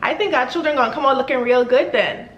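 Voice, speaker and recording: A young woman from the Bahamas, chatting with strangers in a casual, bubbly, flattering way. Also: high-pitched, fast, highs cut off. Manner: bubbly, flattering, laughs often. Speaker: vlogger. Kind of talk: casual video chat with strangers. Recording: echoey room, faint noise.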